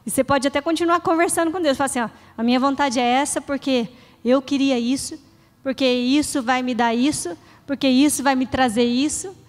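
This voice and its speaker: A woman's voice: high voice, steady tone, fairly quick. A middle-aged woman pastor preaching in a church, earnest and conversational, acting out short prayers. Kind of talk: sermon. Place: church hall. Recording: reverberant church hall.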